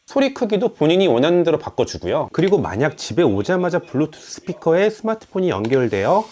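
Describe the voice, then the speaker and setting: A man giving a brisk, chatty smartphone tutorial as a voice-over. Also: on the high side, very animated, dark tone. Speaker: tech YouTuber.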